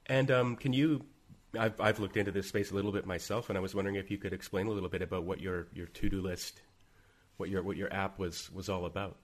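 A man's voice: low voice, fairly even intonation. A man hosting a podcast, reading a prepared introduction and then asking questions with some hesitant "um"s. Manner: brisk, reads the intro smoothly, hesitant with "um" when asking questions. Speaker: podcast host.

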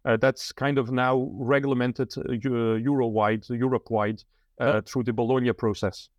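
Man, mid-pitched voice, dry close recording, hesitant interview answers. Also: level tone, moderate pace, dry recording, dull audio. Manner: thoughtful, hesitant, many fillers and restarts. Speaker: interview guest, author. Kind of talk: casual interview conversation.

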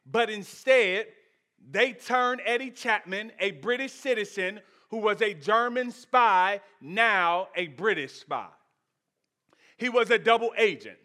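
A man preaching as a pastor, telling stories in deliberate short phrases with pauses for emphasis. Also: sits high, pushed and bright. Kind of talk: sermon with storytelling.

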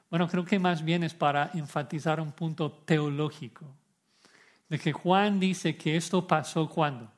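A male pastor delivers an expository sermon in a voice pitched a little higher than most men's. He preaches with emphasis, stacking repeated words and throwing out rhetorical questions to the congregation.

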